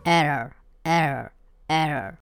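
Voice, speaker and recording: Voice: mid-range voice, slow pace, gravelly, noisy background. A filtered glitching robot voice plays a malfunctioning computer that repeats an error.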